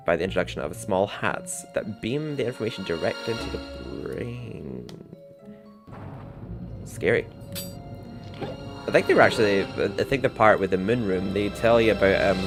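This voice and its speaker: A young man chatting casually as he livestreams a game, rambling and laughing to himself. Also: low voice. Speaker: gaming streamer. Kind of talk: casual gameplay commentary. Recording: game music playing underneath. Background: game music.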